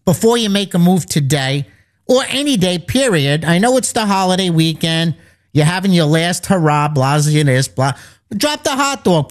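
A man hosting a sports betting radio show, pitching fast and direct to listeners, his voice a little worn. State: slightly losing his voice. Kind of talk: radio talk with sales pitch.

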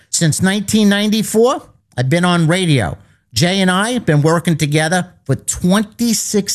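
A man hosting a sports betting radio show, rattling off lines and numbers as he pitches his picks. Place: East Coast of the United States.

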